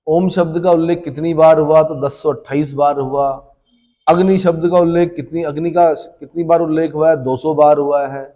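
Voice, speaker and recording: A man's voice: fairly high pitch, steady tone, normal speed, warm tone, big-room sound. A man teaching history, who asks his class questions and then answers them himself. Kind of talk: classroom lecture.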